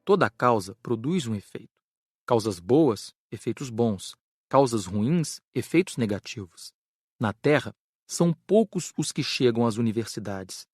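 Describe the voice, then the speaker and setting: Casting: male actor as earnest Brazilian spirit doctor, audiobook lecturer, mid pitch, careful diction, dry close sound. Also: animated, no room sound. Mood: measured, instructive. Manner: measured, didactic, careful enunciation. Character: Frederico, earnest spirit doctor teaching karma.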